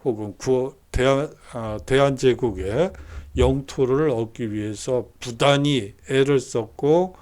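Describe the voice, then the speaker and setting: Slow, measured male history lecturer. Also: mid-range voice, darkish tone. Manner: measured, explanatory, frequent hesitation fillers. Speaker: university lecturer.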